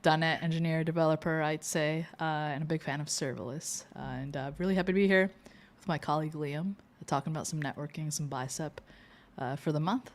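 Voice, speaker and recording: A woman co-hosting a tech livestream, her voice very low for a woman because she is still a bit sick. She greets people in a friendly, chatty way. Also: fairly even intonation, brisk. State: a little sick, voice lower than usual. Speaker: cloud advocate co-presenter.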